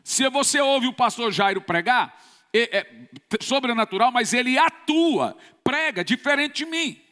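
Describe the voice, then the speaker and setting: A man's voice: extremely high pitch, animated, unhurried, sharp tone. A man from Brazil, a pastor preaching an emphatic sermon with sudden bursts of force. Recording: long church reverb.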